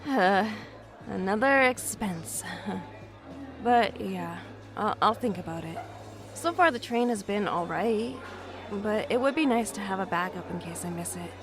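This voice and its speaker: A woman's voice: medium pitch, animated, measured pace, music in the background. An actress playing an overworked, contented homebody in her twenties, speaking in a hesitant, understated way in a naturalistic audio drama. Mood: casual, content. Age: 20s. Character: twenty-six-year-old overworked woman, homebody, contented and cautious.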